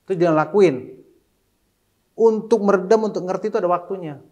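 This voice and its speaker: A middle-aged man speaking as an interview guest, a single father, talking casually and mixing in English phrases, animated when he quotes his children. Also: high voice, fairly quick.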